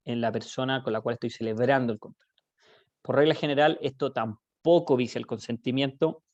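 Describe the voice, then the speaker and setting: A man with a Chilean accent giving an online law lecture, explaining with everyday examples, often pausing on "eh" and checking in with "¿ya?". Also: mid-range voice, darkish tone, dry recording, muffled recording.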